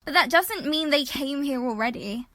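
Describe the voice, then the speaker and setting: A woman's voice: high-pitched, expressive, moderate pace, bright, forceful tone, no echo, studio quality. A woman playing an exasperated, sceptical young woman in an audio drama, sarcastic and matter-of-fact.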